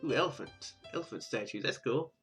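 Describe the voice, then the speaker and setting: A man's voice: mid-range voice, lively intonation, brisk, a bit bright, faint music behind. A man hosting a gaming video, reading a visual novel's text aloud and dropping in casual, offhand comments. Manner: ad-libs offhand remarks, casual and informal.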